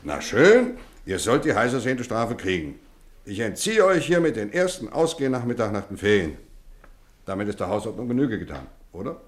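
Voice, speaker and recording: An actor playing a kindly, playfully stern middle-aged housemaster in a German radio play, measured and theatrical. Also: male voice, on the low side, very animated, roomy sound. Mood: teasing, mock stern. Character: kindly, playfully stern boarding school housemaster, grown man.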